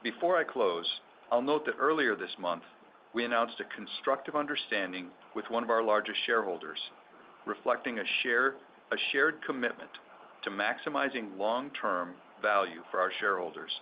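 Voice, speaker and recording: A man speaking as a chief executive delivers formal, measured, scripted remarks on an earnings call. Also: on the low side, expressive. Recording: dull conference audio with background noise.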